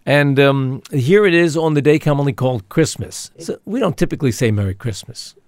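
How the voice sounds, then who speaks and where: A man's voice: mid-range voice, animated, a little fast, dry recording. A man co-hosting a Christian radio talk show, earnest and enthusiastic, with fillers and restarts.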